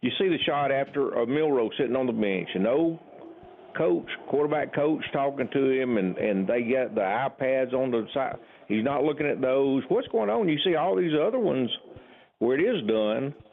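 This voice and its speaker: A man's medium-pitched voice at a moderate pace, with lively intonation and very even loudness, over noticeable background noise. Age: 70s. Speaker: caller. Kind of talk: phone-in call. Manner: halting.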